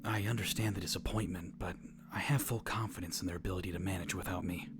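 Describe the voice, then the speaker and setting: A man voicing a brooding, reserved, weary hedgehog hero in an animated-style audio drama, with a formal, guarded manner. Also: low-pitched, fast, noisy background, close to an everyday voice. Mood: uneasy, resigned. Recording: music under the voice. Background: background music.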